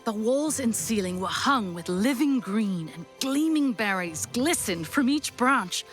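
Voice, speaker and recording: A woman narrating a scripted audio drama, expressive and deliberate in her storytelling. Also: on the high side, soft background music.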